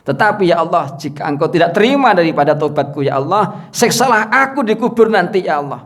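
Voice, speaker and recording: A man voicing a repentant sinner who cries out a loud prayer for forgiveness. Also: mid-range voice, moderate pace, vocal fry, lightly acted. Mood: pleading. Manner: loud, raised crying prayer.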